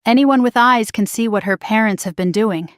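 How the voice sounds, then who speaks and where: A woman voicing a steady, protective grown man who speaks firmly and calmly in a story reading. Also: a little high, normal speed, no room sound, clean studio sound, close to an everyday voice.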